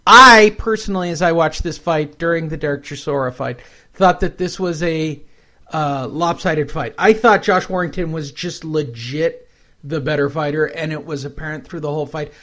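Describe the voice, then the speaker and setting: A man talks with a slightly higher voice, hosting a casual show in a rambling, wisecracking way. He drifts from topic to topic and throws in jokes along the way. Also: moderate pace, bright, forceful tone. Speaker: podcast host. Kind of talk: casual chat.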